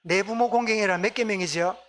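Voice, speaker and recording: A man's voice: sits high, fairly quick, fairly bright tone. A male pastor with a Gyeongsang accent preaching a Sunday sermon, often asking the congregation questions and repeating their answers. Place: church sanctuary.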